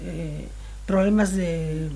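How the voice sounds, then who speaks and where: A woman in her sixties, born in Spain, talking as an interview guest in a relaxed, thoughtful way and pausing to search for her words. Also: lowish voice, creaky.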